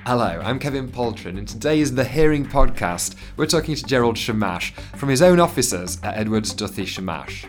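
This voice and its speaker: A man's voice: mid-range voice, animated, brisk, hardly any pauses, soft background music. A man hosting an interview podcast, friendly and a little hesitant, with many fillers. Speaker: podcast host.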